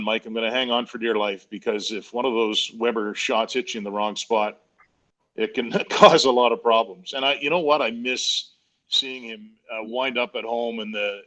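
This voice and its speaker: A man in his fifties from Nova Scotia with a fairly low voice. He talks casually as a sports commentator taking part in a panel discussion. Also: fairly even intonation, normal speed, fairly bright tone, poor audio. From Nova Scotia, Canada.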